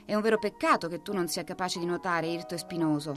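A woman voicing a slow, stubborn female turtle who speaks in a firm, measured way in a storybook reading. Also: fairly low pitch, over music, close to an everyday voice. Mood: sly, encouraging.

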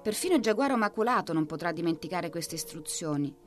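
A slow, stubborn turtle in a storybook, as a woman reader puts her on, firm and measured. The voice is pitched a little above the reader's own and swings widely. Faint music plays behind. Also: animated, close to an everyday voice. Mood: sly, encouraging.

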